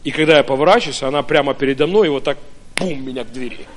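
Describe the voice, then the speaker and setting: A pastor from Ukraine preaching a sermon, telling his own story in an animated way with many hesitant fillers. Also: medium pitch, quick pace. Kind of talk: sermon with personal testimony.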